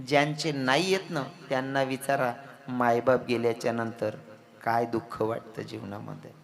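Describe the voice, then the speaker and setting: A man's voice: mid-range voice, fairly even intonation, moderate pace, vocal fry. A man with a Khandesh Marathi accent preaching a kirtan, telling a sad story with heavy emotion and taking on the characters' pleading, tearful voices.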